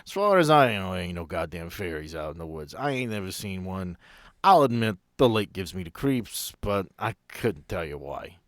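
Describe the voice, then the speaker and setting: A man voicing a gruff, plain-spoken hospital guard in a tabletop game, folksy and matter-of-fact. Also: low voice, very animated, moderate pace, no room sound, studio quality. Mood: blunt, dismissive.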